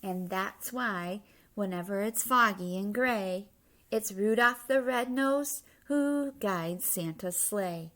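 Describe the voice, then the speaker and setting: A woman reads a children's storybook aloud in an expressive, emphatic rhyming delivery, pausing for explanatory asides. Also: medium pitch.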